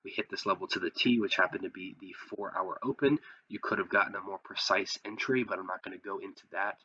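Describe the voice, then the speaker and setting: Guy with a cold-sick voice doing a casual step by step tutorial, kinda low but punchy, slightly muffled lo-fi mic. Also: steady tone, fast talker, pushed and bright, no room sound. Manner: informal, explains step by step with rhetorical questions. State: sick, voice affected by illness. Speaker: host, trading instructor. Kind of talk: casual tutorial commentary over trading charts.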